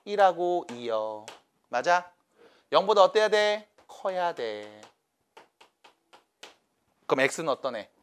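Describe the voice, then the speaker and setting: A man's voice: a little high, big pitch swings, slow pace, pauses often, clear, resonant tone. A man teaching a math class to students, coaxing and checking in with them by name.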